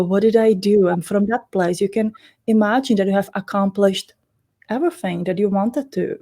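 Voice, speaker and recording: Talking about healing and meditation as an interview guest, this spiritual teacher from the Czech Republic has a mid-range voice and a Czech accent. She speaks earnestly and informally in loose non-native English, punctuated by frequent gentle laughter.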